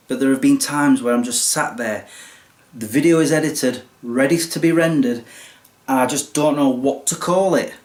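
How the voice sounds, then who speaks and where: A young man casually explaining, step by step, how he films and edits his videos, with a self-deprecating manner. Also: mid-range voice. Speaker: YouTube creator. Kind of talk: casual behind-the-scenes explanation. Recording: roomy echo.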